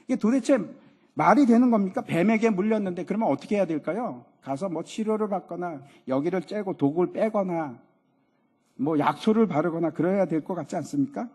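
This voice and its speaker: A man's voice: sits high, fairly quick, mellow, slightly rough. A man preaching a sermon as pastor, raising his voice for emphasis and acting out voices in the passages he quotes. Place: church sanctuary.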